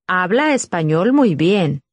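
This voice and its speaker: A woman reading scripted dialogue lines for a language course with clear, careful enunciation. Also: fairly low pitch, very animated, measured pace, no room sound.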